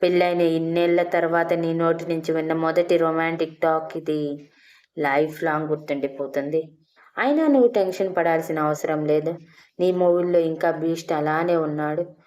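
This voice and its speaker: A woman's voice: low voice, steady tone, moderate pace, a little mellow, lightly acted. A woman voicing a stern, sarcastic older husband and grandfather in an audio story, scolding and teasing his wife.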